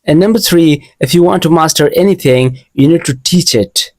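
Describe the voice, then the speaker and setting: A man's voice: on the high side, normal speed, a little mellow, no room sound. A young man from Asia, whose first language is an Asian language, gives a casual English lesson in earnest, learner English, often repeating and restarting phrases. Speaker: English teacher.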